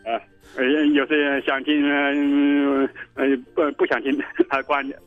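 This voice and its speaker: A man phoning a radio show chats casually and haltingly, repeating words as he goes, over a dull phone-in line. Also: mid-range voice, completely flat delivery, no room sound, faint music behind.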